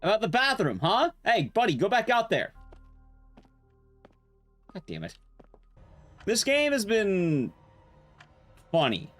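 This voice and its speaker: A man's voice: high voice, wildly swooping pitch, takes it slowly, long pauses, a bit bright, soft background music. A man giving casual, off-the-cuff commentary as he plays a game. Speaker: game streamer.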